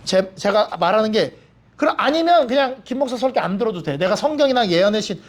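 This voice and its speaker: A man's voice: sits high, lively intonation, a little fast. A male pastor preaching a sermon in a church, blunt and plain-spoken, mixing jokes into stern points. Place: church sanctuary.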